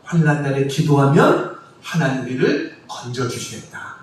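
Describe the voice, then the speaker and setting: A man's voice: mid-range voice, big pitch swings, moderate pace. A male pastor preaching a sermon, asking the congregation questions and leading them in reading scripture aloud together. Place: church sanctuary. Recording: distant echoey church hall with faint room noise.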